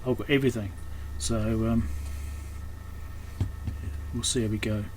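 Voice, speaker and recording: A man's voice: lowish voice, steady tone, unhurried. Man thinking aloud, noisy background. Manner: unscripted, thinking aloud, trailing off mid-thought. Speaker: electronics repairer and video host. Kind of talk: casual hands-on repair commentary. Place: indoors at a repair workbench. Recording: clear background noise, room ambience.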